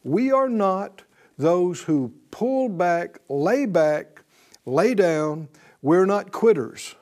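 Animated preacher man leading call-and-response. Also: sits high, very slow. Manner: exhorting, call-and-response with congregation; repeats phrases for emphasis. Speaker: pastor. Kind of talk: sermon.

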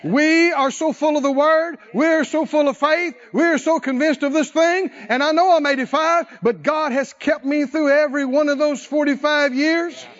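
A man's voice: very high voice, moderate pace, few pauses, a bit bright, dull audio. A man preaching a sermon in a church, telling the story in a folksy way and calling for responses from the congregation. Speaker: pastor.

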